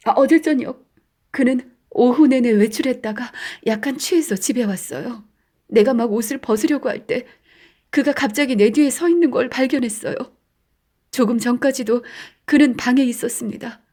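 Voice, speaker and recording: In an audiobook drama, a woman plays a distraught wife, her high voice heavy with dread and her mood fearful. She speaks haltingly, pleading and anguished, as though confiding a terrible fear. Her tone is warm and close to how she'd normally talk.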